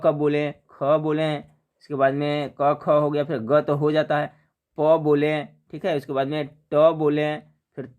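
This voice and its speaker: Higher-voiced man teaching exam questions. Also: darkish tone. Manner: addresses viewers as friends, repeats "remember", asks then answers. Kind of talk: quiz-style Hindi grammar lesson.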